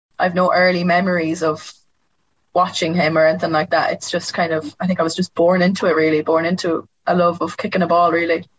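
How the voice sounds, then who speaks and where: In an Irish Midlands accent, a woman talks at a fairly quick pace with a fairly low pitch, a monotone, flat intonation and a somewhat breathy sound. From Ireland, County Roscommon. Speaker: footballer. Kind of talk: interview.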